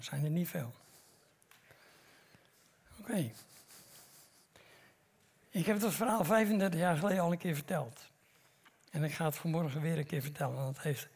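A middle-aged man preaching in church, telling a parable slowly and dramatically, with long pauses. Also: a little high, darkish tone. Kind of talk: sermon storytelling.

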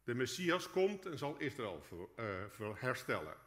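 A man delivers a sermon from a prepared text in a church, speaking in an earnest, measured way with rhetorical questions. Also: mid-range voice, sing-song, fairly bright tone. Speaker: preacher, guest speaker in a church. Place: large church hall, indoors. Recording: echoey church hall with long reverb.

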